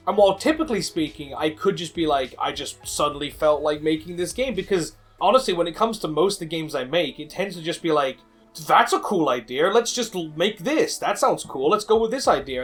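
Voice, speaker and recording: A man's voice: on the high side, fairly bright tone. A man narrating a personal video about his own work in a conversational, rambling, self-deprecating way. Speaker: indie game developer and video creator. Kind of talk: casual scripted-feeling personal narration.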